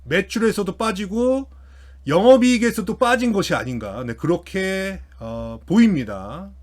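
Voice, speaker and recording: A man's voice: on the high side, slightly rough. A man giving casual explanatory financial commentary as an online host, informally thinking aloud as he works through figures. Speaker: YouTube host commenting on company earnings.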